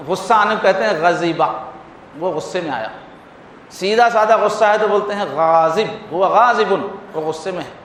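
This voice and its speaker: A male Islamic scholar giving a Friday sermon, explaining with vivid everyday examples. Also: high voice. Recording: echoey hall, faint noise.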